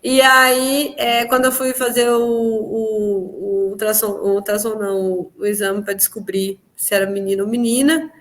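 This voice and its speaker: In an interview, a woman recounts her spiritual testimony at normal speed with few pauses and a medium pitch. She animatedly acts out the conversations she recalls, sprinkling in many tag questions.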